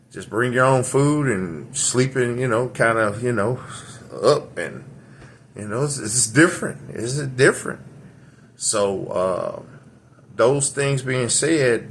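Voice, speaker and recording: At home, a middle-aged man vlogs to a camera he set up nearby, reviewing a product in a rambling, talkative way full of fillers and restarts. His tone is fairly bright, sometimes dropping into a deep put-on radio voice, with slight background noise.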